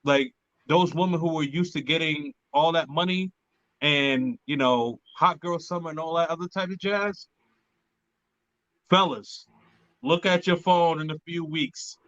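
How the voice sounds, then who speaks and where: Male podcast host, casual chat, bright forceful tone, halting delivery, dull dry lo-fi sound. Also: a little high, dry recording. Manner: halting, many fillers and restarts.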